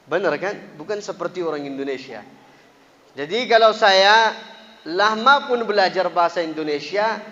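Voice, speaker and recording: A man from an Arab country with an Arabic accent, speaking a second language as he teaches in an earnest, lively mosque sermon. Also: a little high, long reverb tail, lo-fi sound. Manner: earnest, lively, rising emphatic bursts. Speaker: Quran teacher. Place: mosque hall.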